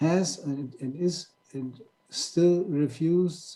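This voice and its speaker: A man speaks with a non-native accent and ordinary pitch variation. His tone is dark and mellow, and somewhat breathy. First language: not English. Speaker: lawyer. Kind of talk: conference speech. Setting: online conference. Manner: halting.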